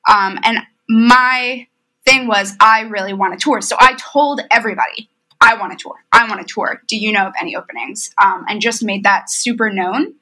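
A Romanian tour manager in her thirties joins a casual interview as a guest over a remote call from home, speaking at a moderate pace and medium pitch. She tells stories, quoting others with lively asides. The recording is rough.

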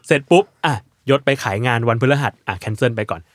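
A man's voice: medium pitch, expressive, quick pace, husky, no room sound, clean studio sound. A man co-hosting a casual podcast chat, blunt and teasing, using coarse slang. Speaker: podcast co-host.

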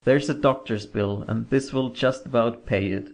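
A woman's voice: very deep voice, moderate pace, darkish tone, pitched below the performer's own voice. A woman voicing a plain-spoken country man. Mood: matter-of-fact.

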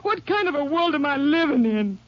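A woman's voice: high-pitched, very animated, fairly quick. A woman playing a grieving, desperate young American widow with a baby, tearful and pleading, in 1950s radio drama style. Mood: anguished, pleading. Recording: muffled old radio broadcast recording.

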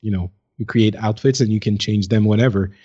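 A man's voice: fairly low pitch, fairly even intonation, a little fast, dark tone, breathy edge. Hesitant man in casual discussion, dull audio. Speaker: podcast co-host.

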